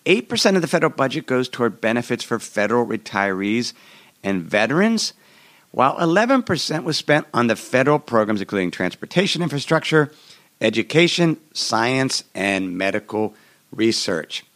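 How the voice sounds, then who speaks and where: A hoarse man hosting a solo podcast, explaining in a rambling way with frequent restarts, recorded in a hotel room. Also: medium pitch, big pitch swings, normal speed, a bit bright. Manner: rambling, repeats and restarts words. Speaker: podcast host.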